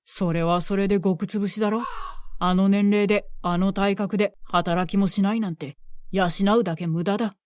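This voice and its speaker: A woman voicing gruff, scornful male village farmers who complain and bully with rough country speech. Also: medium pitch, fairly even intonation, normal speed, darkish tone, no room sound, studio quality, natural voice. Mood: grumbling.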